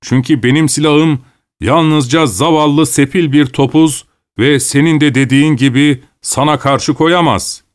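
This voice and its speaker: A man's voice: fairly high pitch, fairly even intonation, unhurried, voice pushed up, close to an everyday voice. A man narrating a story voices a proud, threatening male tribal chief, slightly raised and boastful. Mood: taunting.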